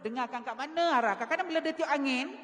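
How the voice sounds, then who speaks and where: A woman religious teacher, giving a women's lecture in a mosque and telling stories with lively sound mimicry. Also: high voice, fast talker. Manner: animated storytelling, mimics sounds. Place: mosque hall. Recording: reverberant mosque hall.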